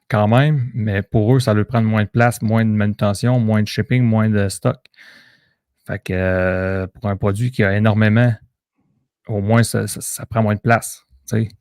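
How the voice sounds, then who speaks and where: Male co-host, low-ish voice, dry, explanatory. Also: fairly even intonation, a little slow, darkish tone, no echo. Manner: explanatory, lists points. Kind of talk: casual podcast chat.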